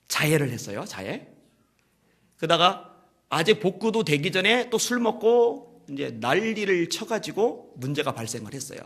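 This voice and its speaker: A male pastor giving a sermon to his congregation, telling a story with rhetorical questions and swinging between hushed and loud, emphatic passages. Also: on the high side, slightly rough. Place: church service.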